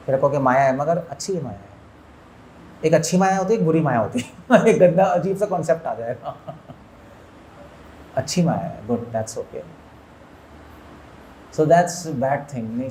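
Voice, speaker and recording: A man's voice: a little high, darkish tone, slight background noise. A man, a monk, giving a spiritual lecture to an audience, asking them questions and mixing in English words. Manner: asks listeners questions, mixes in English words.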